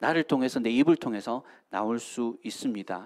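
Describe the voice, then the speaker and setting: A man speaks with lively intonation. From Gyeongsang, South Korea (Pohang, North Gyeongsang; then Busan). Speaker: pastor. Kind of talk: sermon. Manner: hesitant with many fillers.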